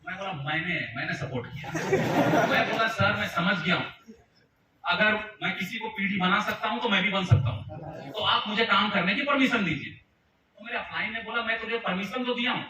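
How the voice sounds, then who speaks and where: A man's voice: high voice, brisk. A man giving a storytelling speech to a live audience at a business meeting, animatedly acting out the dialogue in changed voices. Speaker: motivational speaker at a business meeting. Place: large meeting hall with audience. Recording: echoey hall, distant mic, noisy.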